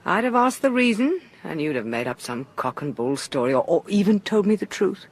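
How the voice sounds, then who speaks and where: A woman's voice: fairly low pitch, sing-song, fairly quick, husky, heavily acted. An actress playing a genteel, lonely and insistent lady of the house in a radio horror play, with a hesitant, theatrical manner. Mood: shaken, insistent.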